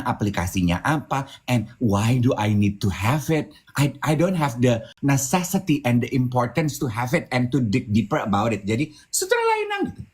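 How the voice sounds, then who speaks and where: A man co-hosting a casual chat, telling a story with animated delivery, mixing English phrases into his talk and acting out the voices of the people in it. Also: medium pitch. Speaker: co-host.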